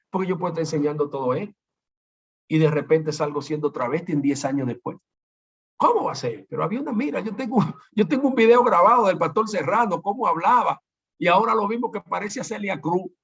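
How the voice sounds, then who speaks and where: Husky-voiced preaching man, dull recording. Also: fairly high pitch. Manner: animated, voices quoted people. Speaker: pastor. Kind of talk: preaching talk. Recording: dull lo-fi sound.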